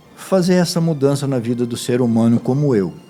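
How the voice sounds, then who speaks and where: With music playing behind him, a man talks in lively intonation at a moderate tempo. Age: 70s. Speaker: church deacon. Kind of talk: testimony.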